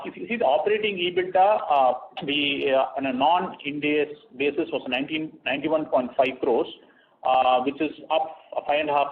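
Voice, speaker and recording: A man presents quarterly financial results over a conference call. He speaks in a measured way, with frequent "uh" fillers and restarts. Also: a little high. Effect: heard over a conference call line. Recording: tinny phone-line conference call audio.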